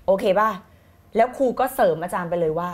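A woman teaching the law of attraction on a live stream, energetic and emphatic, repeating key phrases and slipping in English words. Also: fairly low pitch, fairly quick. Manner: mixes in English words, blunt slang.

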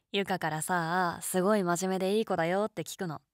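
Low-voiced, teasing college girl played by a woman. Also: dry recording, clean studio sound, natural voice. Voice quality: low-toned. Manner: teasing, casual, gently coaxing. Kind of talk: intimate situation-voice role-play, casual chat.

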